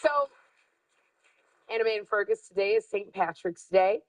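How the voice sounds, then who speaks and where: A woman's voice: mid-range voice, fairly even intonation, moderate pace, darkish tone, poor audio. A woman hosting a TV show segment, bubbly and playful, exclaiming as she chats with guests in a studio. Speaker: TV morning show host. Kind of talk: lively TV segment chat.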